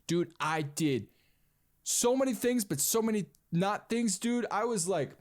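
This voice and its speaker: This man in his twenties has a high voice and a slightly slow pace. Hosting a casual podcast on his own, he rambles animatedly and keeps calling everyone "dude."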